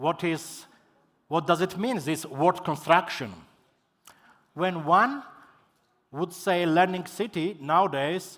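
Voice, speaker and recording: A man with a Georgian accent speaks at a very slow pace with long, frequent pauses. His pitch is high. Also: ordinary pitch variation. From Georgia, Tbilisi. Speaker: NGO representative, moderator. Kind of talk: conference opening speech. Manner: formal; halting.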